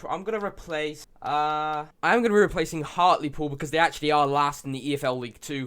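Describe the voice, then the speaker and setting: With an English accent, a man talks at a very fast pace with hardly any pauses, a fairly high pitch and ordinary pitch variation, on a very clean recording with a silent background. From England. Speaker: gaming youtuber. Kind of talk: gameplay commentary. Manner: casual.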